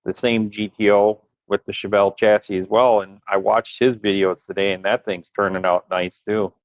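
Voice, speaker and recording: A man co-hosting a casual talk show, easygoing and quick to agree. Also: lowish voice, little pitch movement, no room sound, dull audio. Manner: easygoing, short agreeing replies. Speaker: co-host. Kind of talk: casual chat.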